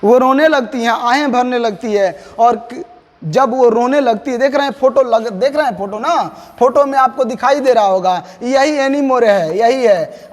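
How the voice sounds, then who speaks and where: A male teacher with a very high voice walks students through a poem line by line. He is lively and dramatic and keeps addressing his listeners directly. The recording has a long, echoing reverb. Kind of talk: lesson explaining an English poem in Hindi.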